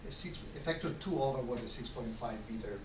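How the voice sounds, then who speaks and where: Man lecturing in an echoey room, far off. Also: medium pitch. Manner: halting, explanatory delivery with repeated words. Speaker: visiting scientist giving a colloquium lecture. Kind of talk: academic lecture with slides. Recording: roomy, noisy lecture recording from far off.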